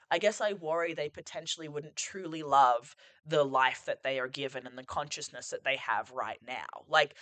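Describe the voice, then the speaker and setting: A man's voice: a little high, sharp tone, no room sound. A man hosting a podcast as a reflective solo monologue, rambling and musing, full of "like" and "sort of", sitting on a couch at home and losing his voice a bit. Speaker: podcast host.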